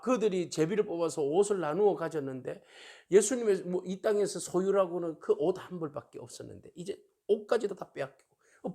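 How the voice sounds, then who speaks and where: Korean pastor guy preaching, kinda high voice, lots of ups and downs, asks the crowd "right?". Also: vocal fry. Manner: animated preaching, acting out the mockers' taunts; asks the congregation for agreement. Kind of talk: sermon.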